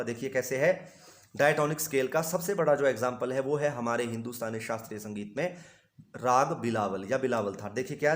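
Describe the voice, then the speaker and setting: A man with a mid-range voice explains music theory to students in a steady, patient way. He keeps posing simple questions and then answering them himself, and notes from an instrument sound between his phrases. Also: medium pitch. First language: Hindi. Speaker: music teacher.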